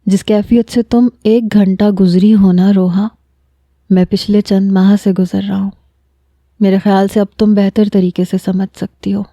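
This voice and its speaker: A woman voicing a playful, self-assured young man who teases and makes calm, pointed remarks. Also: mid-range voice, no room sound, studio quality, lightly acted. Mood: reproachful.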